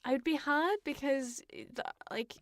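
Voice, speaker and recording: A woman's voice: high-pitched, measured pace, no echo. A woman chatting casually as a podcast co-host, informal and opinionated in the way she talks. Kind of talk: casual chat about games and films.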